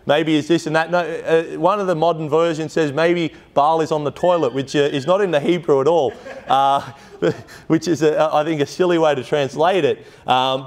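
A man's voice: fairly high pitch, darkish tone. A man preaching an evening sermon to a congregation, retelling stories in a casual, rambling way with asides and restarts. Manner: conversational storytelling with frequent asides and restarts.

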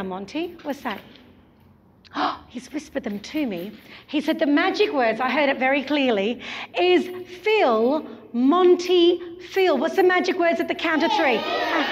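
A woman performing as a kids party magician, talking to children with theatrical, exaggerated wonder and sing-song prompting. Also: high voice. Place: large indoor school sports hall. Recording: echoey sports hall, faint noise, children's crowd. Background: children in the audience.

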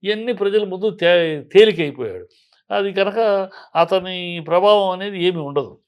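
A man argues in a heated political interview, his voice sitting a little high. He hammers home rhetorical questions, repeating them with force. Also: moderate pace, smooth. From Andhra Pradesh. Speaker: political guest.

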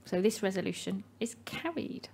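A woman at a podium reading out election results in a measured, formal way. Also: mid-range voice, lively intonation, creaky, darkish tone, breathy edge. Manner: measured, reading names slowly. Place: meeting hall. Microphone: podium microphone.

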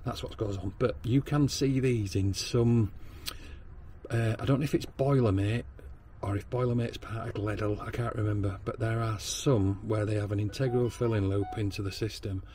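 A man's voice: lowish voice, fairly even intonation, moderate pace, warm tone, slight background noise. A man with a Northern English accent giving a practical plumbing training demonstration at a workshop bench, explaining step by step with frequent ums and restarts. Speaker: plumber and backflow tester.

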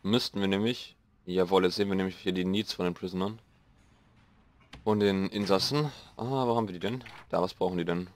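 A young man with a slightly hoarse voice, rambling casually through gameplay commentary and mocking himself as he goes. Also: low voice, a little fast. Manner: rambling, self-mocking, thinking aloud. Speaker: let's play host.

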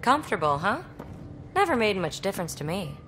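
Young alien adventurer: wry, expressive, earnest video game heroine, mid-range voice over music. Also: female voice, medium pitch, fairly quick. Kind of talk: video game cinematic acting.

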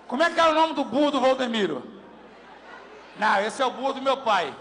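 Male pastor, high voice, playful interviewer, large reverberant church. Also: sing-song, a bit bright, some chatter behind, slight background noise. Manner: teasing, folksy, fast back-and-forth. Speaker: pastor leading a service. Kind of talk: joking church testimony interview. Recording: long hall reverb with music.

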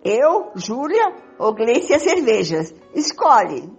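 Melodramatic, jealous soap wife played by an older woman: husky, very animated, begging, on a lo-fi recording with music behind. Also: a little high, slow, heavily acted. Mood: exasperated. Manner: pleading, melodramatic, repetitive. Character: pleading, jealous wife, melodramatic but accommodating. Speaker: amateur participant in a radio play. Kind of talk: improvised amateur radio soap opera acting. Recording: dull lo-fi audio with music.

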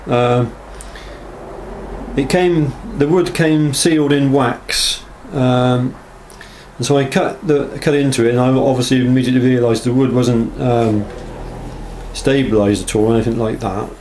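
A man's voice: mid-range voice, steady tone, unhurried, a little mellow. A man giving a casual, unscripted workshop show-and-tell, speaking hesitantly and with understatement. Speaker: knife maker presenting work. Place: small block-walled workshop. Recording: camera audio with clear background noise.

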